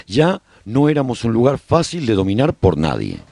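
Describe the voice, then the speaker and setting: A man narrating a radio drama as a survivor chronicling life in his colony, with measured, expressive storytelling. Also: mid-range voice, creaky, dry recording, exaggerated voice. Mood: reflective storytelling. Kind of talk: scripted first-person narration, radio drama.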